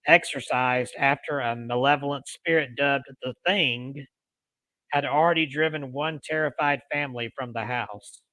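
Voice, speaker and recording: Man reading ghost stories, bright dry voice. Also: mid-range voice, no room sound, low-quality recording. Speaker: host of a paranormal storytelling show. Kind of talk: reading ghost stories aloud with casual asides.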